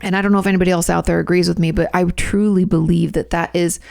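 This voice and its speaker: Woman therapist-host, low gravelly tone, gentle and reassuring, dry recording. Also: little pitch movement, quick pace, no room sound. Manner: gentle, reassuring, repeats phrases while thinking. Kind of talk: advice podcast answering listener questions.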